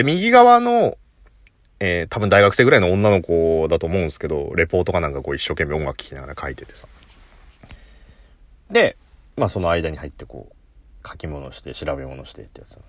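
A man's voice: low-pitched, very animated, brisk, a bit bright, no echo, clean studio sound. A man casually telling a funny story on his solo talk show, laughing at his own jokes. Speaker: podcast host. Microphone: phone app recording.

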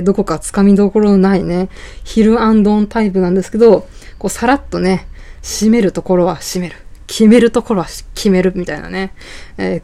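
Gravelly-voiced woman chatting solo. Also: mid-range voice, warm tone. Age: 40s. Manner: chatty, many filler pauses. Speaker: podcast host. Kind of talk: casual solo chat.

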